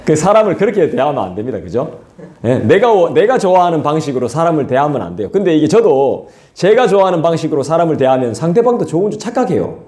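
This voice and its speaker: Animated pastor preaching in echoey hall. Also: male voice, fairly high pitch, quick pace. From South Korea. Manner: lively, colloquial, acts out scolding voices and asides to the congregation. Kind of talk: expository sermon. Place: church sanctuary.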